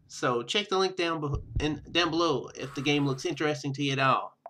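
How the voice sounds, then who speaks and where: A man giving casual let's-play commentary, rambling and thinking out loud as he plays. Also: a little high, slight background noise. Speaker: gaming video host. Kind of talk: casual let's-play commentary, reading game text aloud.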